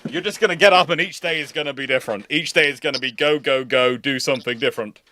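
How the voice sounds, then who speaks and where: A man's voice: mid-range voice, fast talker, sharp tone. A man hosting a casual live question-and-answer chat, talking in a rambling, digressive way. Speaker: host of a live naval history Q&A.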